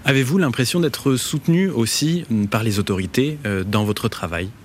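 Guy interviewing someone, middle pitch, slow careful questions, faint noise.

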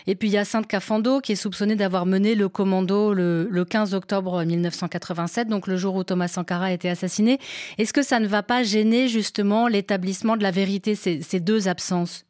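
A woman hosting a radio call-in show from a studio, measured and courteous, with a few hesitant fillers. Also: mid-range voice, fairly even intonation, a little mellow, dry recording. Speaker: radio host.

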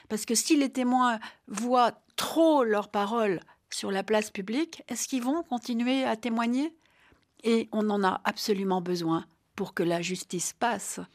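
An older woman with a fairly high voice speaks as a historian guest in a radio interview. She weighs her words, pauses to rethink, and builds each point slowly. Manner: measured, reflective, with hesitations.

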